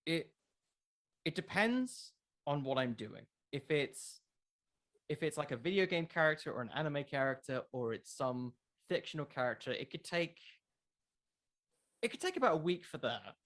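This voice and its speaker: A man's voice, on the high side, sing-song and a bit bright, moves at normal speed with long pauses. He is a podcast creator being interviewed casually about wrestling fiction, answering questions while thinking aloud and repeating words.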